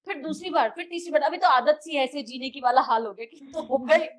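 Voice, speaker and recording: High-voiced woman leading group sharing. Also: brisk. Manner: animated storytelling, mixing Hindi and English. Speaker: spiritual study group leader.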